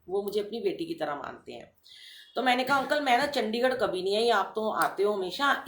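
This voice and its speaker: A woman's voice: mid-range voice, roomy sound. A middle-aged woman speaking at a satsang, telling a devotional story to the congregation and acting out the people she quotes.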